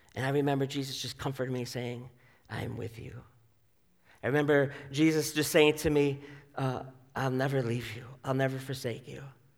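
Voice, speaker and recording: In a room with audible echo, a man of medium pitch speaks at a fairly quick pace in a flat monotone, his loudness swinging widely between long, frequent pauses. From US Northeast, Syracuse area. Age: 40s. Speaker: pastor. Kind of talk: sermon. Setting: church.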